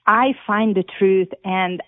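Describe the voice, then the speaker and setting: A woman with a Hungarian accent, calling in to a radio talk show and speaking earnestly with many pauses and fillers. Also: mid-range voice, fairly even intonation, no echo. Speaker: caller. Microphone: telephone. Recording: tinny phone line.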